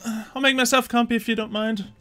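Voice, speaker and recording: A man's voice: extremely high pitch, little pitch movement, fast talker, bright, forceful tone, smooth, pitched above the performer's own voice. A man voicing a breezy, self-assured female magic user in a tabletop fantasy game, casual and blithe.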